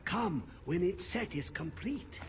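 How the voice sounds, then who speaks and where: An actor playing a mad, obsessed old scholar in a fantasy game, rambling rapturously in cryptic, poetic phrases. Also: male voice, high-pitched, animated, slow, slight background noise. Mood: feverish scheming. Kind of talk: theatrical fantasy game acting.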